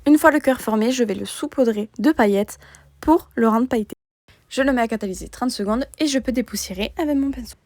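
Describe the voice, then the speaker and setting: A woman calmly narrating a step-by-step nail art tutorial as a voice-over, in a plain explaining tone. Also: fairly high pitch, a little fast, no room sound, studio quality.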